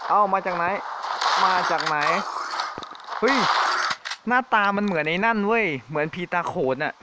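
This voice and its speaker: Excitable man shouting over gunfire. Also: sits high, normal speed, heavy background noise. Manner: excitable, jokey, exclaims often. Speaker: gamer playing a ghost-shooting game. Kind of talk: excited gameplay commentary. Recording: game sounds and gunfire behind.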